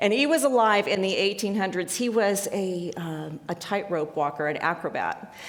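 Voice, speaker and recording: A woman of medium pitch talks at a fairly slow pace with lively intonation, and audible room echo surrounds her voice. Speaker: speaker and musician at a spiritual center. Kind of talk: sermon.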